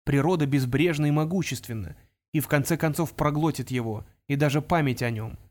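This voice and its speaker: Guy reading an audiobook, kinda higher voice, dramatic steady storytelling. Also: brisk. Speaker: narrator. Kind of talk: audiobook narration.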